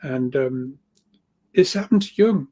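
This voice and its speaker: Mellow-voiced man, halting and rambling. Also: medium pitch, lively intonation. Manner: halting, repeats words, rambling, chuckles often. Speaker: guest speaker, researcher of earth energies. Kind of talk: informal spoken explanation of spiritual ideas.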